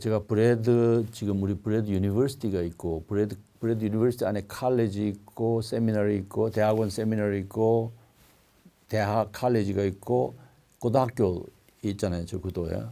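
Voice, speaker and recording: An older male pastor preaching a sermon, telling stories with sudden loud, emphatic swells. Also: lowish voice, fairly even intonation, normal speed.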